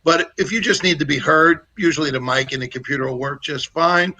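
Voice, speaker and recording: A man who trains public speakers, giving practical advice in a relaxed, joking way over a video call with a lapel mic. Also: a little high, fairly quick. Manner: practical, explanatory, jokes easily. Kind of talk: casual coaching advice on a livestream.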